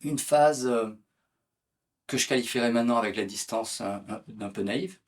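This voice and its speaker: A French author and political activist, appearing as a guest in a conversational interview, speaks hesitantly with many fillers and restarts. His voice is medium-pitched and moderately paced.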